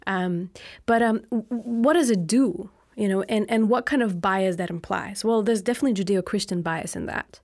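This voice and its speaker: Woman, lithuanian first language, talks it through slow w lots of ums and "right?", dry close sound. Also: mid-range voice, a little mellow, no echo. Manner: thoughtful, many ums and uhs, often adds "right?". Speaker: interview guest. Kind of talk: reflective conversational answer.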